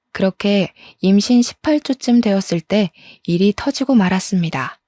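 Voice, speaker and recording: A woman telling a first-person story in a chatty, confiding way, with exasperated asides, recorded close up in a quiet studio. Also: medium pitch, no room sound. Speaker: storyteller reading a listener's story.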